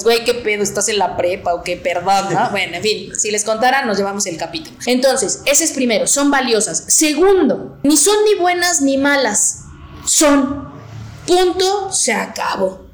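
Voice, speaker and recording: Animated Mexican woman, slangy and emphatic. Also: on the high side, reverberant. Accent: Mexican Spanish. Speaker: podcast co-host. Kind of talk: casual podcast chat.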